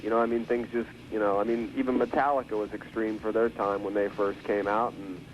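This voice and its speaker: Phone-in guest, a man with a lowish voice, halting and full of ums, muffled on a hissy worn tape copy. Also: little pitch movement. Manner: hesitant, many fillers. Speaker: record producer, phone guest. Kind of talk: casual phone interview. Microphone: telephone. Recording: dull phone line on worn tape with hiss.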